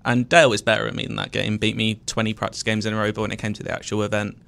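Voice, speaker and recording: A man's voice: fairly low pitch, level tone, racing, gravelly, a bit bright. A British man on a gaming podcast panel, telling self-deprecating anecdotes. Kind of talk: casual panel chat.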